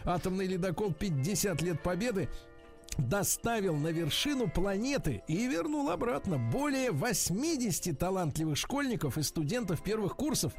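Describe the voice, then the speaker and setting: A man's voice: high voice, moderate pace, soft background music. A man hosting a radio morning show, chatty and playful as he interviews a guest. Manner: lively, chatty, playful asides. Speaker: radio host.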